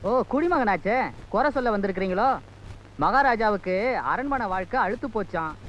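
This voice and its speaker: An actor playing a theatrical, welcoming herald of a maharaja in a film comedy. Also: male voice, high-pitched, lively intonation, a little fast, a bit bright, slight background noise. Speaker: courtier-like greeter. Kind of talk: 1980s Tamil film comedy. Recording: dull film track with music.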